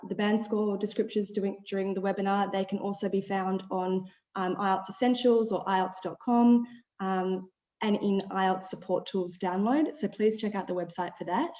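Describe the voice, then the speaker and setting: A woman's voice: mid-range voice, dark tone, reverberant, highs cut off. A woman hosting a webinar, upbeat, reading out audience questions and wrapping up. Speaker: webinar host.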